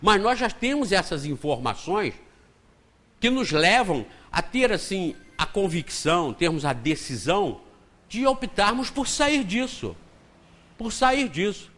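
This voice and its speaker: A Brazilian man lectures at a spiritist center, slightly high-voiced and very lively in his pitch. He talks in an easy, joking way and slips into acted-out exchanges to make his point. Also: unhurried. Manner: conversational and joking, acts out dialogue. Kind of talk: spiritist lecture with homely anecdotes.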